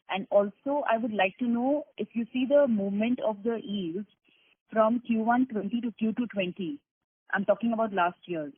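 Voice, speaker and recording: A woman analyst presses management with careful, numbers-heavy questions on a conference call. Her voice has a husky edge. It comes through a narrow phone line in a dry, close sound. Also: mid-range voice, no echo. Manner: probing, detailed, numbers-focused.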